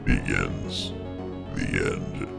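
A man announcing a dramatic recap for an audio drama in a slow, ominous, drawn-out way. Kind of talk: dramatic trailer-style recap. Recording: music bed under voice.

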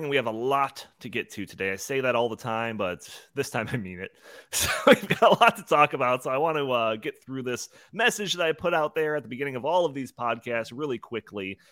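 A man's voice: mid-range voice, a bit bright, no room sound, clean studio sound. A man hosting a live podcast in an informal, joking, chatty way. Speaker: podcast host.

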